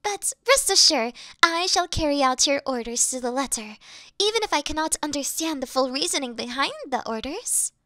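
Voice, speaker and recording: A woman's voice: high voice, expressive, moderate pace, sharp tone, no echo. A woman voicing a devoted female demon servant who worships her mistress, fawning and flustered in a scripted audio roleplay. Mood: adoring.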